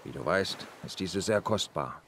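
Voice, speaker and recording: A deep, low-pitched voice of a weary, tender police inspector in a radio crime drama. He speaks calmly and gently, with a faint hiss behind him. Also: a little slow, creaky, full character voice. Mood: warm. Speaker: inspector Anton Jäger.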